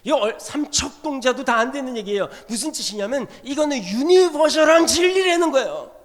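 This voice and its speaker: A man preaching a revival sermon as a missionary, swinging from loud emphatic exclamations to hushed, tender near-whispers as he speaks in the second person. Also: very high voice, lively intonation, brisk. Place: church sanctuary. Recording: long church hall reverb.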